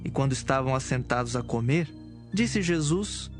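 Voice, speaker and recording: A man narrating dramatised scripture from a script, with measured storytelling phrasing. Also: mid-range voice, animated, soft background music.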